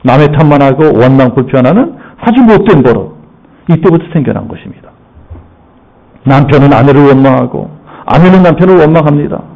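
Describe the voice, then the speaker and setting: A man pastor giving a lively sermon in a church, asking the congregation rhetorical questions. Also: fairly high pitch, brisk, vocal fry, lo-fi sound.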